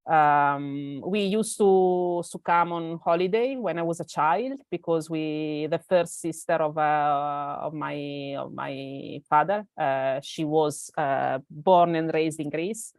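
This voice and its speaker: A woman's voice: deep voice, slow pace, hardly any pauses, a little mellow, no room sound, studio quality. A woman from Italy, a native Italian speaker with an Italian accent, chatting as an interview guest, hesitant with many fillers and restarts. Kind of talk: casual interview chat.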